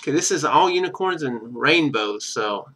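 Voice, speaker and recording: Bright-voiced man streaming a game. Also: medium pitch, animated, moderate pace. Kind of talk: casual game commentary, thinking aloud.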